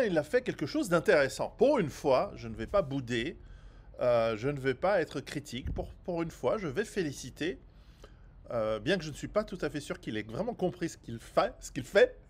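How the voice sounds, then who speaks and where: A man who is not a native French speaker, hosting a survival commentary video and talking straight to the viewer in a rambling, animated way with many restarts and sarcastic asides. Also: fairly high pitch, husky. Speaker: survival author and video host. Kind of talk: direct-to-camera commentary.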